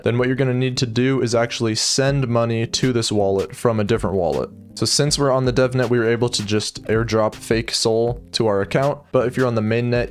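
Young male tutorial host, mid pitch, calm step-by-step delivery, faint music under the voice. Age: young adult. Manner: steady step-by-step instructions. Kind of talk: screen-recorded coding tutorial. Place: small home studio room, indoors. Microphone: seen studio desk mic on arm.

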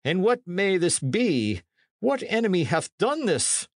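A man's voice: high-pitched, big pitch swings, slow, no echo, studio quality, pitched above the performer's own voice, heavily acted. A man voicing a portly middle-aged priest in an audiobook, fretful and scholarly, with pompous, exclamatory archaic speech. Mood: alarmed, questioning.

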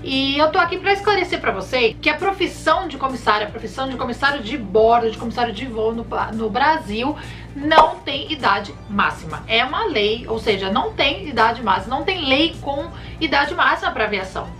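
A Brazilian flight attendant in her thirties gives casual advice to camera from her bedroom, gesturing animatedly and warmly calling viewers by nicknames. Her high voice is brisk, with soft music in the background. The camera sits in front at chest framing.

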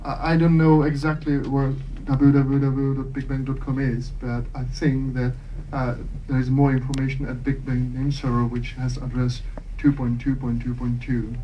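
A man's voice: medium pitch, flat delivery, moderate pace, hardly any pauses, warm tone. A man taking part in an amateur live skit. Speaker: participant acting out a name server. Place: small conference meeting room. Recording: distant, dull, slightly noisy room recording.

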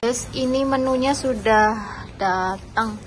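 A woman's voice: on the high side, slow, a little hiss or hum, poor audio. A woman, chatting upbeat through a restaurant food review vlog, filmed on a phone at arm's length. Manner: chatty, upbeat, keeps saying "guys", mixes in English words. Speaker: food vlogger. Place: indoor restaurant, cafe table. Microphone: phone camera at arm's length. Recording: loud background music.

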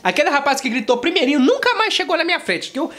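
A man's voice: very high-pitched, big pitch swings, quick pace, fairly bright tone. A man in a casual comedy monologue, self-mocking and laughing at his own puns. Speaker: comedy vlogger.

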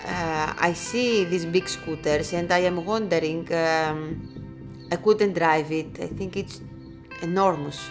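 A woman from Greece with a naturally loud voice, chatting in hesitant English full of fillers while walking around a motor show. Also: lowish voice, unhurried, music in the background. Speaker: co-presenter. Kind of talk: casual chat at a motor show. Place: busy indoor motorcycle exhibition hall. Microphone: clip-on mic worn by co-presenter.

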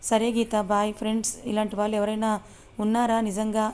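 A woman's voice: mid-range voice, monotone, brisk, smooth, natural voice. A woman voicing a thankful, newly married young woman in a read-aloud story. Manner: warm, thankful.

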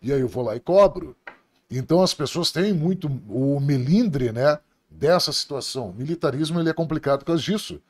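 A middle-aged Brazilian police officer tells stories on a podcast in a casual, blunt, profane way, often laughing. His voice is fairly high-pitched and darkish in tone, animated and a little fast.

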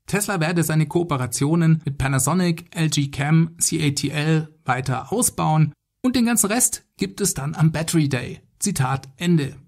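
Man, podcast host, slightly high pitch, noticeable vocal fry, conversational solo commentary, addresses listeners directly. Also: normal speed, a little mellow.

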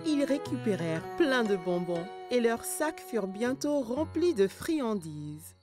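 A woman's voice: on the high side, big pitch swings, unhurried. A woman narrating a children's cartoon in storybook style. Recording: music behind the voice.

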